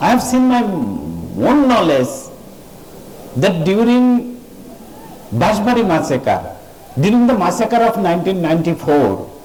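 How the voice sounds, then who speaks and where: Speaking in a high pitch with very wide swings and long, frequent pauses, a man is heard over noticeable background noise and audible room echo. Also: fairly slow pace, very even loudness. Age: 60s. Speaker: poet and speaker. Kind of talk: Q&A answer at festival talk.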